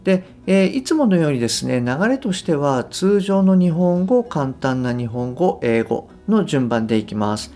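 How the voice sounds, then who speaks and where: A man hosting a business English podcast, talking politely and reading the lesson lines slowly. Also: a little high, very animated, dark tone, faint music behind. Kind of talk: podcast monologue.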